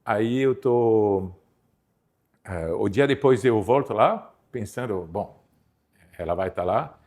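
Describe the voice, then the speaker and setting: A man in his fifties from Belgium with a French-speaking Belgian accent, a photographer telling stories in a relaxed interview, with halting, self-repeating phrasing. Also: lowish voice. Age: 50s. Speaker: guest photographer. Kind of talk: casual interview storytelling.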